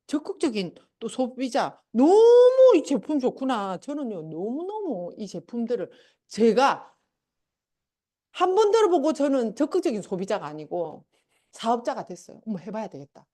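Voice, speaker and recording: A middle-aged woman addresses a seminar, her voice pitched a little high and swinging widely as she tells stories. She acts out her family members as she talks, keeping the room hooked with a motivational pitch. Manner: animated storytelling, acting out family members. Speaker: seminar speaker. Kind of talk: motivational sales seminar talk.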